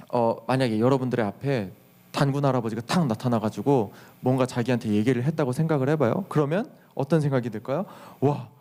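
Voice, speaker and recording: A young man, a youth pastor, preaching to teenagers in a lively storytelling way, asking the listeners questions and acting out what people say. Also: a little high. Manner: lively storytelling, acts out quotes with exclamations; addresses the listeners directly with questions. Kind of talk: sermon to teenagers.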